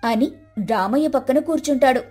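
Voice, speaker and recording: High-pitched woman storyteller. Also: a little fast, a little mellow, soft background music. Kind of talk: scripted story narration.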